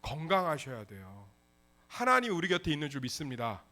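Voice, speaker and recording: A male pastor preaching an animated sermon, often acting out little dialogues. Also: fairly high pitch, fairly quick. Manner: animated, acts out dialogues in voices.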